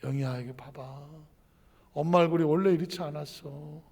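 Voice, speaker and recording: Gentle grieving mother read by a male preacher; quiet, gravelly, echoey hall. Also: high voice, fairly even intonation, moderate pace. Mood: sorrowful. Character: scarred, loving mother, gentle and sorrowful.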